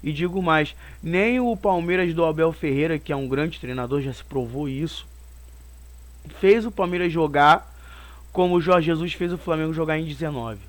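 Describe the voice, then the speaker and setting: Hoarse Brazilian man rambling about football. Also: fairly high pitch, moderate pace. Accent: Brazilian Portuguese. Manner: rambling and opinionated, circles back on his points. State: hoarse from a cold. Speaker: football channel host. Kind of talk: casual football commentary.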